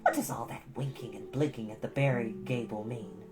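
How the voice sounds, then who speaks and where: A woman's voice: very deep voice, steady tone, brisk, music in the background. A woman voicing a stout, bossy older village gossip from a storybook, opinionated, emphatic and folksy. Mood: gossipy, emphatic. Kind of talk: storybook character voice.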